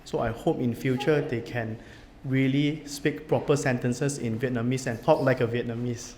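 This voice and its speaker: A man's voice: mid-range voice, steady tone, moderate pace, a little mellow, slight background noise. A man giving an unscripted, slightly hesitant interview answer. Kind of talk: interview soundbite.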